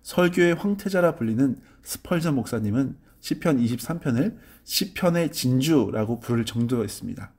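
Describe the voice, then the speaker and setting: A man, a pastor, giving an early-morning sermon in an earnest, measured way, asking rhetorical questions. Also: medium pitch, a little mellow.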